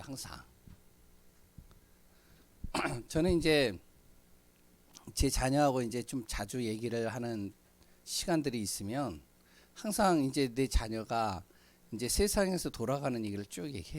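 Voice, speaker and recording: Middle-aged guy preaching a sermon, lively up-and-down voice, clears his throat a lot, casual talky style. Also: medium pitch. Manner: conversational, with frequent fillers and throat clearing. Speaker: pastor. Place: church sanctuary.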